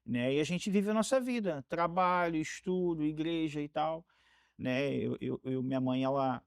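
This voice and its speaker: A pastor in his forties with a Carioca accent tells his story in a relaxed, rambling way, often circling back over his words. His voice sits a touch high for a man. The sound is close and dry. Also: normal speed, creaky, smooth, no room sound. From Rio de Janeiro, Brazil. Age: 40s. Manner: rambling, repeats words while gathering thoughts. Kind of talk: casual interview storytelling.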